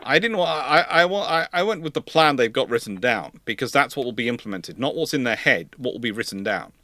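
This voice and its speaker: A man's voice: medium pitch, animated, fairly quick, bright, forceful tone, dry recording. A man answering questions on a live history stream, repeating and restating himself emphatically as he explains. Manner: hesitant repetitions, emphatic restating. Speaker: host of a naval history livestream, consultant.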